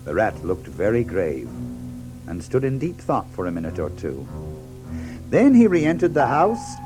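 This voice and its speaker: A man's voice: on the low side, huge pitch swings, measured pace, low-quality recording. A man narrating a children's story in a dramatic, scripted storybook style. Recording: music behind the narration.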